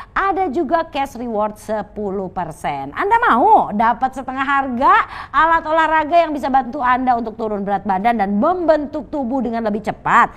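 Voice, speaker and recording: A woman with an Indonesian accent presenting an infomercial sales pitch, persuasively urging viewers to buy and addressing them directly again and again. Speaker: home shopping presenter.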